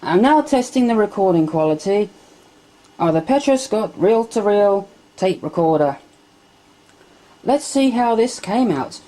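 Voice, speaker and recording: A woman calmly explaining step by step as she unpacks and tests old equipment at home. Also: medium pitch, measured pace, low-quality recording. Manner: calm step-by-step explaining while handling equipment. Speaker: hobbyist vlogger. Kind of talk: casual demonstration narration. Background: faint machine hum.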